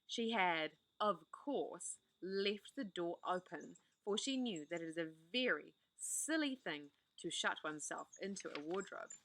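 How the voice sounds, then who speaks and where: A woman reading a children's novel aloud, expressive, with the odd small slip. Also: on the low side, measured pace, few pauses, poor audio. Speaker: storybook reader.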